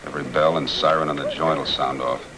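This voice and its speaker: A man's voice: a bass voice, fairly even intonation, quick pace, crowd noise. A male actor playing a cool, guarded, clever convict with terse delivery in a 1950s screen drama. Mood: firm. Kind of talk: 1950s black-and-white screen drama acting. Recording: noisy old film soundtrack.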